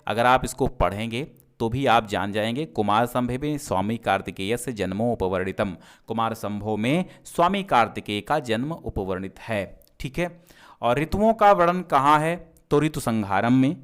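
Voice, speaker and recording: Smooth-voiced male tutor explaining exam answers. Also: medium pitch, expressive, normal speed. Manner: chants memorized word forms in a sing-song; checks in often with "theek hai". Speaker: teacher.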